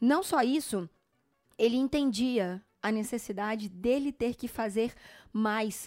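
A woman speaks with a dark, mellow tone and a fairly high pitch, her voice dry and close with no echo on a very clean recording over a silent background. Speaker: podcast co-host, designer and content creator. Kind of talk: casual chat.

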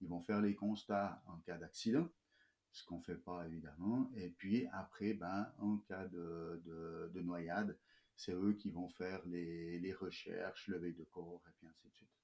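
Speaking at a fairly slow pace, a man with a very deep, low pitch and a dark, mellow tone keeps his intonation fairly even while his loudness swings widely. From Switzerland, Vaud (Yverdon area). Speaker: head of a lake rescue society. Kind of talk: interview. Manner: halting, many repetitions and fillers.

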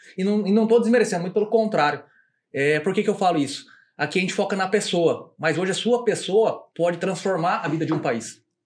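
This man's pitch is high, with ordinary pitch variation. He speaks at a fairly quick pace. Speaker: podcast co-host. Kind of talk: casual chat. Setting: studio.

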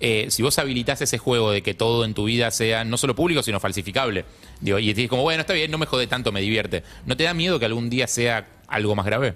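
Talking at a very fast pace, a man uses medium pitch with ordinary pitch variation. His tone is bright and sharp, and his loudness stays very even. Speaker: radio co-host. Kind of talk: casual chat.

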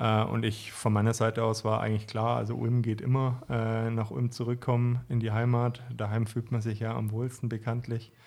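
A man speaks at a moderate pace and medium pitch in monotone, flat intonation with hardly any pauses, on a very clean recording with a silent background. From Ulm, southern Germany. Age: 30s. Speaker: ice hockey player and club manager. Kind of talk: casual interview. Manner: hesitant with many fillers.

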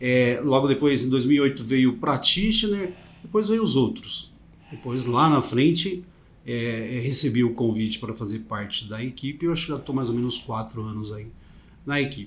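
A man with a medium pitch and a somewhat breathy voice speaks at a moderate pace. His intonation is lively. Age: 50s. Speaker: team coach and insurance broker. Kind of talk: interview conversation. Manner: halting, with repetitions.

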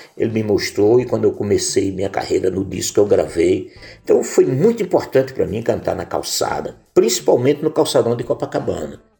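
Barely stopping to pause, a man talks at a fairly quick pace. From Brazilian Northeast, Mossoró, Rio Grande do Norte. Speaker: singer-songwriter. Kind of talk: interview.

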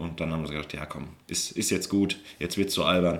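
Here a man is talking. His delivery runs at a very fast pace. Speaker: podcast co-host. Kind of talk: casual chat.

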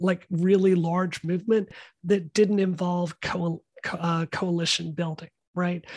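A woman speaks with a fairly low pitch and a somewhat breathy quality. Her pace is fairly slow. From US South, Mississippi. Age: 40s. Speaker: software engineer and political action committee director. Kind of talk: interview conversation. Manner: halting, many fillers.

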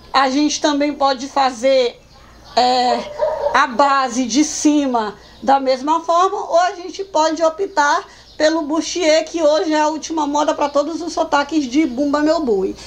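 With noticeable background noise behind her, a woman talks at a fairly slow pace in a high pitch with ordinary pitch variation. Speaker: cultural agent and folk dance choreographer. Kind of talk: documentary interview.

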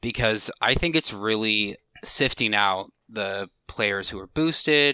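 Speaking fairly slowly with an American accent, a man has an unremarkable speaking voice and ordinary pitch variation. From Texas, Houston area. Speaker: gamer. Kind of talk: casual chat. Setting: video call.

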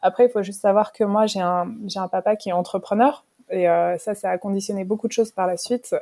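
Speaking at a fairly quick pace, a woman uses a dark, mellow tone at medium pitch with fairly even intonation. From Paris suburbs, France. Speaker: fashion brand founder, former lawyer. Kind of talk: interview.

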